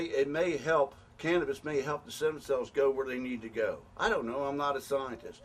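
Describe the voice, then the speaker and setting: A man's voice: mid-range voice, slight background noise. Blunt, angry man making an impassioned appeal. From United States. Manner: blunt, angry, pleading, with many restarts. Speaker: patient advocate.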